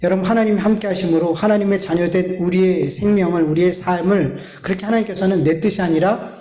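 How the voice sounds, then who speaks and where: A man's voice: high voice, steady tone, fast talker, dark tone. A man preaching a sermon as a pastor, earnest and pleading, often turning to address his congregation directly. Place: church sanctuary. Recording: echoey church hall.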